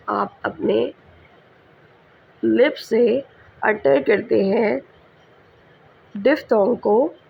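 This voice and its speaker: A woman with a Pakistani English accent teaching a school English lesson, speaking slowly and repeating example words. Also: mid-range voice, gravelly, husky. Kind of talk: slow classroom lecture mixing Hindi-Urdu and English. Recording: slightly muffled recording with faint background hiss.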